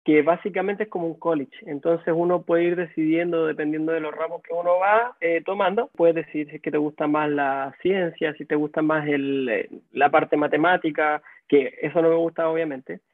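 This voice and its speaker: A man's voice: a little high, no echo. A dentist from Chile with a Chilean accent, a man telling his story in a laid-back, chuckling way over a video call. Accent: Chilean Spanish. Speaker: dentist guest. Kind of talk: casual interview storytelling. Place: home or office in a high-rise, indoors. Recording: dry, tinny phone-like call audio.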